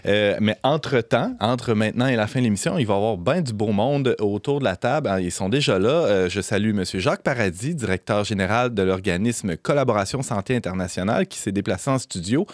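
A man's voice: on the low side, fairly quick, hardly any pauses, dry recording, studio quality. Québécois man hosting a radio talk show. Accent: Québécois French. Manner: cheerful, laughs often, relaxed hosting. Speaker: host. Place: radio studio.

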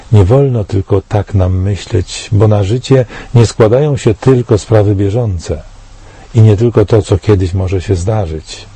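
A man in his sixties from Poland, giving a solemn, measured commentary read to camera in a studio. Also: on the low side, mellow, slightly rough.

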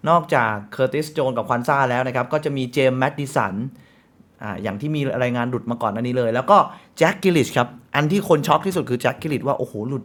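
A man with a medium-pitched, slightly bright voice hosts a casual football news show. He's chatty, reads sponsor ads quickly between news items, and uses frequent polite fillers.

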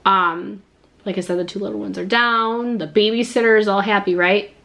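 A vlogger in her thirties chats casually to the camera in her home kitchen, recorded at close range, sprinkling her talk with "like." She sounds a little stuffed up and coughs slightly. Her voice is medium-pitched, fairly even, creaky and fairly bright, at a moderate pace.

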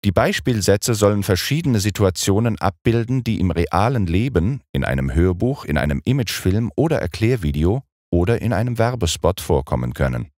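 Deep, lively middle-aged male speech coach. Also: dry recording, studio quality. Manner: clear, deliberate trained-singer delivery; precise, emphatic stress. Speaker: audiobook narrator and speech coach. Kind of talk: scripted audiobook lesson narration.

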